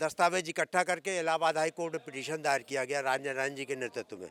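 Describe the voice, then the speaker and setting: Dry and close with no echo, the recording captures a man with a bright, sharp tone and fairly high pitch speaking at a moderate pace with ordinary pitch variation. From Rae Bareli, Uttar Pradesh. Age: 70s. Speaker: emergency-era activist. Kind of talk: interview. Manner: insistent, interrupting.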